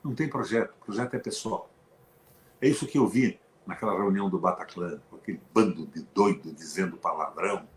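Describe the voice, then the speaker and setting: An older Brazilian man, a former senator who now hosts a show, discusses politics in a low-pitched voice at a brisk pace. He is emphatic and animated and slips in sarcastic asides. The room is echoey, with slight background noise.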